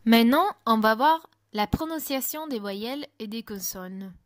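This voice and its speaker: Slow, careful teacher woman. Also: on the high side, expressive, no room sound, studio quality. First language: Italian. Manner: deliberate, spells and repeats words with French translations. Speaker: Italian language teacher. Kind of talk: slow, careful pronunciation lesson.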